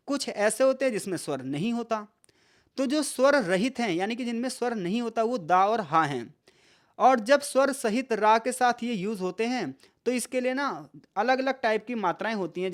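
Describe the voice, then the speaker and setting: A tutor giving an explanatory exam-prep lesson, posing questions and answering them, sounding out syllables slowly, with English words mixed into the speech. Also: mid-range voice.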